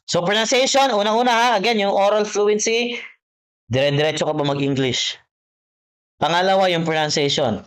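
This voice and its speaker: This test prep tutor runs a private exam-prep lesson online, going over each point more than once and making sure his student is following. He speaks in a high, slightly bright voice at a moderate pace, and the tone is clean.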